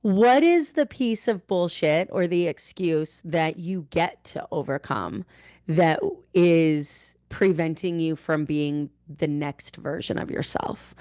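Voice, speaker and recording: A woman with a low-pitched voice hosts a conversational interview. She phrases her questions deliberately and with emphasis. The recording is very dry, with no room sound. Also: darkish tone, no room sound. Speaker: podcast host, author.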